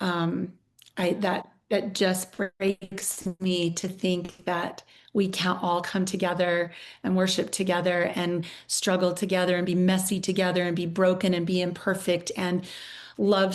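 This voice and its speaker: A woman with an American accent, monotone, flat intonation and a fairly slow pace. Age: 60s. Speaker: interviewee. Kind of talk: interview.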